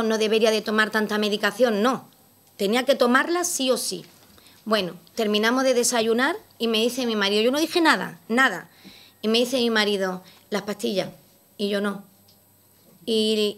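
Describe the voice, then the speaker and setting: Middle-aged woman from Spain, slightly high pitch, emphatic testimony with lots of repetition. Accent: Spanish from Spain. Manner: repeats words for emphasis, vivid storytelling. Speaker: event speaker giving a testimony. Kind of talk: personal testimony to an audience.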